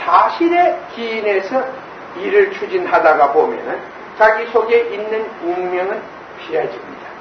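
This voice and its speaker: The speaker has a strong Gyeongsang accent. Noticeable background noise runs under the voice. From Gyeongsang region, born in Hadong. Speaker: spiritual teacher. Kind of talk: dharma talk to audience. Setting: hall with live audience. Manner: repetitive, emphatic.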